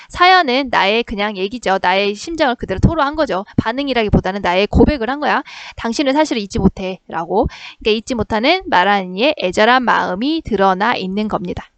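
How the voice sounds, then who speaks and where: Young woman teacher, smooth voice, dull lo-fi recording, explains a poem with questions she answers herself. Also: a little high, no room sound.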